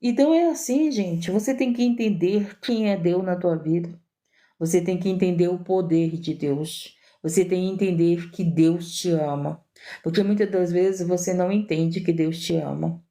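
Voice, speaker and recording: A woman's voice: on the low side, normal speed, dark tone. A woman missionary with a Brazilian Portuguese accent, preaching a fervent sermon full of repetition and direct appeals to her listeners.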